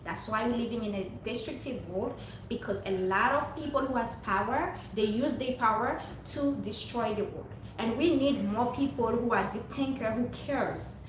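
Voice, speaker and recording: A woman's voice: fairly high pitch, normal speed. Earnest woman talking in an echoey room. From Haiti. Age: young adult. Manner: rambling, earnest, preachy. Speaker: vlogger. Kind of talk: casual monologue to viewers. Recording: very echoey room, distant mic, faint noise.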